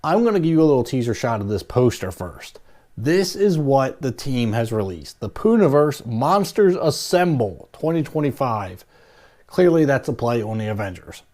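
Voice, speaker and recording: A man's voice: medium pitch, dark tone. A man hosting a movie news channel, chatting casually and musing aloud about a poster with plenty of hedging.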